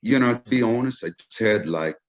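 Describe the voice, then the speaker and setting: A man's voice: lowish voice, expressive, brisk. A man from Jordan, an entrepreneur on a panel, talking earnestly with many restarts and "you know"s. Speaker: private-sector entrepreneur. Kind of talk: panel discussion over video call.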